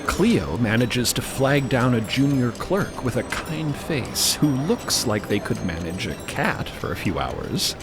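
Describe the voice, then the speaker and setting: A man delivers scripted dramatic narration for an audio drama. His medium-pitched voice moves with lively expression, and music plays clearly behind him. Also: measured pace, hardly any pauses. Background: music bed.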